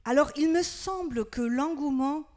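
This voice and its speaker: A woman's voice: high voice, measured pace, darkish tone. A woman with a German accent, French not her first language, giving a prepared talk at a festival, searching for her words. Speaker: literary critic, festival speaker. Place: festival stage with audience. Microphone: handheld microphone.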